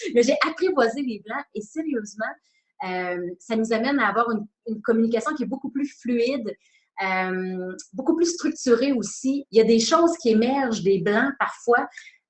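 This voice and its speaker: With lively intonation and a fairly high pitch, a woman talks at a moderate pace in an ordinary speaking voice. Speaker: communication consultant. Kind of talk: webinar presentation. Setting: online webinar.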